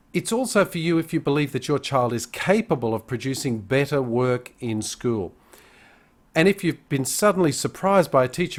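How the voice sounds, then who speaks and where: This man has an Australian accent and a fairly high pitch. He talks at a fairly quick pace with lively intonation. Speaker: behavioural optometrist. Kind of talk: webinar presentation.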